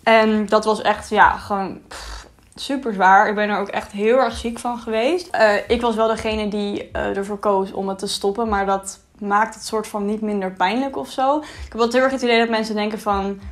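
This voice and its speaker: A woman's voice: mid-range voice, steady tone, moderate pace. A woman in her twenties chatting casually in a vlog as she eats, at times talking with her mouth full. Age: 20s. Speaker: vlogger. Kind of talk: casual girl talk mukbang vlog. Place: small bright room indoors, seated at a table.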